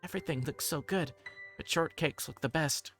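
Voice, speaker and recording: A man's voice: on the high side, normal speed, a bit bright, soft background music, voice pushed up. A man voicing a shy, polite young waitress with a hesitant way of talking in a visual novel. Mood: shy, flustered.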